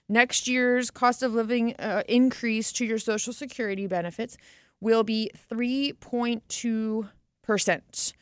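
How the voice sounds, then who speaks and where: A woman's voice: medium pitch, no echo. Chatty woman host, dry close mic. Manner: chatty, laughs easily, many fillers. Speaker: radio host and financial advisor. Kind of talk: casual radio talk.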